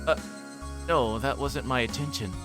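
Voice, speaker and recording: A man's voice: medium pitch, normal speed, natural voice. A man voicing an awkward, flustered teenage schoolboy in a visual novel, with music behind him.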